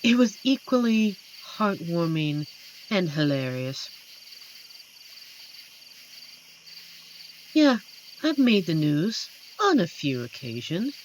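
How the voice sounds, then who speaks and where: A woman voicing an amiable, playful female werewolf who guards a forest, in a scripted audio roleplay spoken to the listener with a teasing, chatty manner and dramatic pauses. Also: lowish voice, sing-song, slight background noise. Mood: cheerful, chatty.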